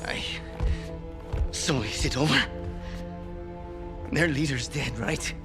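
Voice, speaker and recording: An actor playing an anxious, talkative human pilot in a video game, with a nervy, wry manner. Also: male voice, medium pitch, slow, music in the background, close to an everyday voice. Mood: nervous, wry. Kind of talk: video game cutscene acting.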